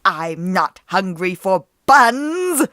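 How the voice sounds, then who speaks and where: A woman's voice: mid-range voice, sing-song, drawn-out words, sharp tone, no room sound, clean studio sound, full character voice. A woman voicing an evil man who poses as a sweet, ailing old grandmother in a storybook reading, with a coaxing elderly lilt. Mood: menacing, hungry.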